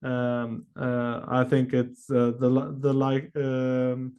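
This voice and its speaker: A man answering questions as a company executive on an earnings call, speaking haltingly with many long filled pauses. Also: mid-range voice, monotone, clean tone, lo-fi sound.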